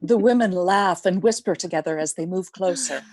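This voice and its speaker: A woman reading scripted narration for a radio play in a measured, dramatic way. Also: fairly low pitch, darkish tone, dry recording. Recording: close, dry, faint music behind.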